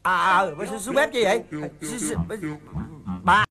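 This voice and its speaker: A man's voice: high voice, animated, measured pace. An actor with a Southern Vietnamese accent playing a timid husband terrified of his wife, stammering and panicky. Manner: panicky, stammering, fearful exclamations.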